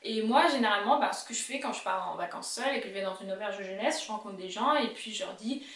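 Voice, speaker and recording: A young woman with a strong Alsatian accent talks casually and animatedly to her viewers, at an ordinary middle pitch. The sound is roomy and the camera mic sits some way off. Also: fast talker, a bit bright, far from the mic. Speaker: illustrator vlogger.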